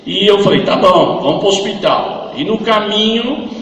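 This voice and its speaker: Man testifying in church, acts out the voices, gets loud and fervent, echoey hall. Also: high voice, moderate pace, distant mic. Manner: retells a story acting out the voices, rising to loud fervent preaching. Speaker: church member giving testimony.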